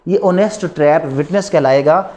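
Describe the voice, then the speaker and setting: In a classroom, a fairly high-pitched Pakistani man lectures on law at normal speed, his tone somewhat dark. His style is instructive: he poses brief questions and then supplies the answers on his own.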